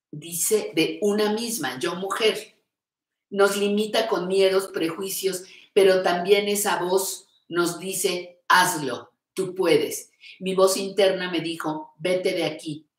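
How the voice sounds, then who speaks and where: Speaking slowly in a fairly low voice, an older woman runs a live show on creative aging. She reads comments from viewers and responds in a warm, encouraging way, calling them "reina," and the room has an echo.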